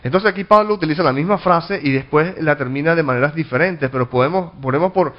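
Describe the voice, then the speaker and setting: This slightly high male voice talks fast through a Bible-study sermon, and the audio is dull. Preaching earnestly as a pastor, he restarts phrases, repeats words, and poses rhetorical questions only to answer them.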